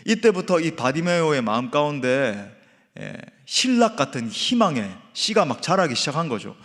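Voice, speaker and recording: A man, a senior pastor, preaching a sermon emphatically, often asking the congregation rhetorical questions. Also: sits high. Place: church sanctuary. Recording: reverberant church hall.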